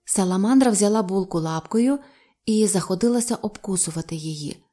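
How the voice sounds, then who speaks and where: A woman reading a novel aloud as an audiobook narrator, in an even storytelling manner. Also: mid-range voice, fairly quick, faint music behind. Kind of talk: scripted narration.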